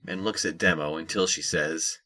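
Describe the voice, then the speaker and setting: A man playing a wry storyteller, narrating a scripted audio drama in a measured way. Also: extremely low pitch, fairly even intonation, pushed and bright.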